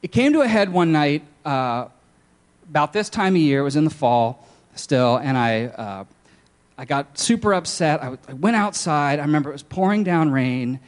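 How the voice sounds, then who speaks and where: A man's voice: fairly high pitch, lively intonation, moderate pace. Candid young man telling his story. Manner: casual, candid storytelling with many fillers and restarts. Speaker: speaker sharing a testimony. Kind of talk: personal testimony talk.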